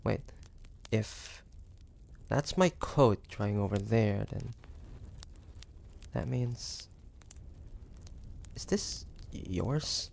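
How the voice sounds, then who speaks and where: A man playing a proud, wary, sardonic hunter from the 1850s in an intimate audio drama, halting and full of breathy sighs. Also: on the low side, a little mellow, slight background noise, exaggerated voice. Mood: grudging, puzzled. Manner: halting, breathy sighs, indignant then grudging.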